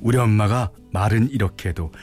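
A man hosting a radio show, relaxed and chatty, often chuckling as he reads listener messages and narrates a story. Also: fairly low pitch, a little fast, soft background music. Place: radio studio. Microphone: studio microphone.

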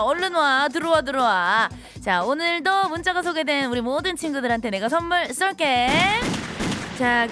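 A cheerful woman in her thirties hosts a live radio show, reading listener texts and teasing fans in the studio. Her voice sits high and swings widely in pitch. Music plays steadily beneath her talk. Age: 30s.

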